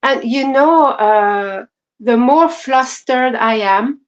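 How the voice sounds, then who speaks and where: A woman with a French accent co-hosting a casual crochet livestream, soft-spoken and apologetic with many fillers. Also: on the high side, slow. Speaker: co-host. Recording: dull lo-fi stream audio.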